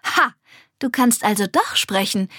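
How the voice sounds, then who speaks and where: A woman voicing an excited young girl in a storybook reading, pitching her voice up, breathy and close. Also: slow, no room sound. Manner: high, excited, stammering. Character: excited young girl who can suddenly fly.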